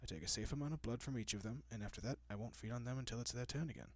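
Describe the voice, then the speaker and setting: A man playing a gentle, courteous, possessive vampire in an intimate audio roleplay, speaking softly and often dropping to a whisper with hushed reassurance. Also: mid-range voice, rapid-fire, no room sound, close to an everyday voice. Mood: calm, explaining. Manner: hushed, reassuring, politely old-fashioned.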